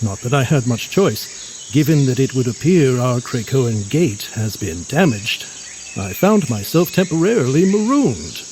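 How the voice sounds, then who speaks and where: A blue-furred gentleman scientist speaks formally and verbosely in an audio drama. His mid-pitched voice moves up and down with great animation, genial and learned, over a faint bed of crickets. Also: a little hiss or hum.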